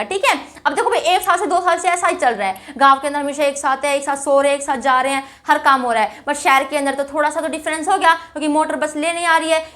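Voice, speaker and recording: A young woman with a high, bright voice teaches an English chapter in Hindi. She talks in a chatty way, keeps checking in with her students, and reads English lines slowly before explaining them. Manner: chatty, calls students "bhai", keeps checking with "theek hai".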